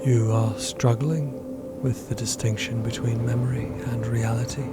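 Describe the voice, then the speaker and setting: An actor playing a calm, literal-minded companion who speaks in a measured, formal and reserved way in an audio drama. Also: male voice, medium pitch, over loud music, close to an everyday voice. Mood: calm, probing. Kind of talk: audio drama acting and narration.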